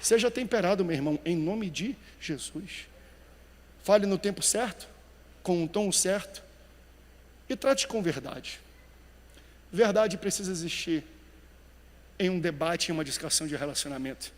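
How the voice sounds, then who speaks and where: A male pastor preaching a sermon with animated emphasis, dropping quiet and then rising loud. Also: high voice, moderate pace, long pauses, in a large hall.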